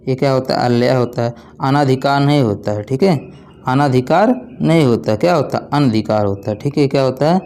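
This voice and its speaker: A man's voice: mid-range voice, dark tone. Man drilling exam answers call-and-response. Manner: repetitive call-and-response, asks then answers himself. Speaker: Hindi exam tutor. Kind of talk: online exam-prep lesson.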